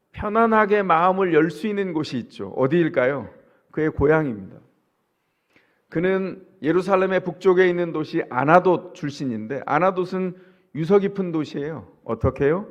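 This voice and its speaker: A man's voice: on the high side, muffled recording. Man preaching in a conversational way. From Chungcheong, South Korea. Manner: conversational preaching, asks the congregation rhetorical questions. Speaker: pastor. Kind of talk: sermon.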